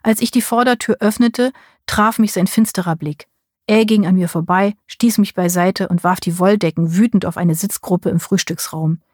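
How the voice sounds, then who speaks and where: Woman narrator, audiobook, first person, husky, measured, dry close sound. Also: medium pitch, a little mellow, dry recording. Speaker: audiobook reader.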